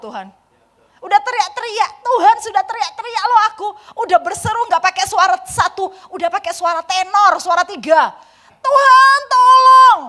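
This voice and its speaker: A high-voiced woman pastor in her forties delivers a sermon in a church. She is animated, rising to loud pleas and then dropping to a soft, confiding tone. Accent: Indonesian. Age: 40s. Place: church sanctuary.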